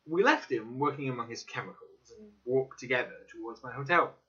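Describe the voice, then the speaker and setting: A man's voice: medium pitch, a little fast, sharp tone. A man reading first-person fiction aloud as a dramatic narrator. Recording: dull, slightly lo-fi recording.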